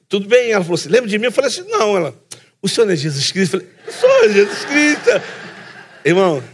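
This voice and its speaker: A man with a Carioca accent preaches, with a voice that sits high for a man. His tone is husky and a little breathy. He tells a story with energy, acts out each side of the conversation, and keeps calling out to his listeners. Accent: Carioca Brazilian Portuguese. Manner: animated storytelling, acting out both sides of a conversation; calls the listeners "brother" again and again. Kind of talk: sermon with a funny personal story.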